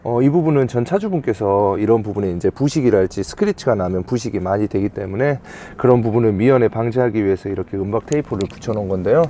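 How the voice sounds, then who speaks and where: This used car dealer speaks fast and mellow on the low side, barely pausing as he presents a truck-buying guide to viewers. He uses polite, formal salesman patter in an informal explainer format, with faint background noise.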